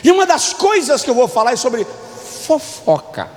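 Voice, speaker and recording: A Brazilian man preaching as pastor, emphatic, swinging between soft asides and shouted points. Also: very high voice, sing-song, normal speed, big-room sound. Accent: Brazilian Portuguese. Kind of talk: sermon.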